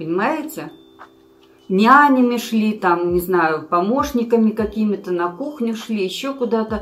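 Over faint music in the background, a woman speaks in a warm tone with lively intonation and a fairly high pitch. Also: fairly slow pace. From Latvia. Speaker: YouTuber. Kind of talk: vlog. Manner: warm and chatty. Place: home room. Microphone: webcam.

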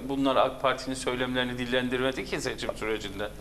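A man's voice over light background noise. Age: 40s. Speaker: TV presenter; TV interviewer host. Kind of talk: political interview. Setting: studio. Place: studio. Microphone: lapel.

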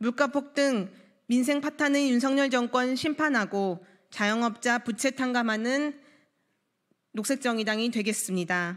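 Speaking at a fairly slow pace, a woman keeps her high-pitched voice at a very even loudness. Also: ordinary pitch variation, quiet background. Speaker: politician. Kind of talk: press conference statement. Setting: press briefing room. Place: hall. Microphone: podium.

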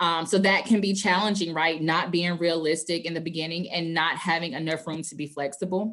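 An unremarkable speaking voice with an American accent. The intonation stays fairly even. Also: woman. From Greensboro area, North Carolina. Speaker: library community engagement staff. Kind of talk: panel presentation.

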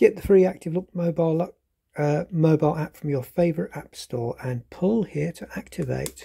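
The voice has a dark, mellow tone with vocal fry. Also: woman. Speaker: cycling tech reviewer. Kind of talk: unboxing commentary.

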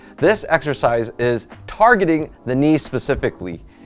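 A man talks over faint music in the background. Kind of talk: tutorial. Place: office. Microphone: lapel.

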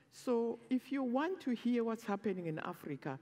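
A woman with a Zimbabwean accent and a dark, mellow tone speaks at a moderate pace with very wide pitch swings. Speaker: politician and peace activist; speaker. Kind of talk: panel talk. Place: stage.

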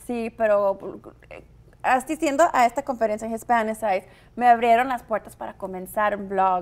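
At a moderate pace, a woman speaks in a fairly high pitch with ordinary pitch variation and big swings in loudness. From US Texas, El Paso (Mexican-American); Texas. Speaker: singer and blogger; blogger. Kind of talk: casual interview chat. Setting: studio. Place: studio.

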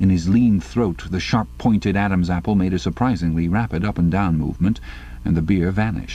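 The pitch shows ordinary variation. It comes from a natural reading voice.

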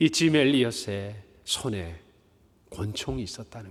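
Speaking at a very slow pace, a man lets his pitch swing very widely. His voice sits fairly low and sounds somewhat breathy. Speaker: pastor. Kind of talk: sermon.

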